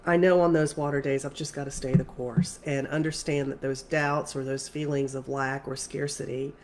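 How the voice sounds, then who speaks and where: A woman's voice: a bass voice, little pitch movement, moderate pace, a little mellow, slight background noise. A woman spiritual coach who is congested, talking casually and rambling with many fillers and restarts. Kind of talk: casual spiritual talk to camera.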